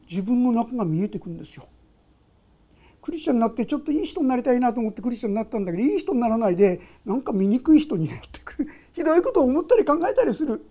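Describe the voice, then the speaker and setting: A woman preaching a heartfelt sermon in a chatty, direct way, often turning to speak to her listeners. Her voice sits a little high and swings widely in pitch. The tone is mellow and rounded rather than bright. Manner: emotional, conversational, addresses listeners directly.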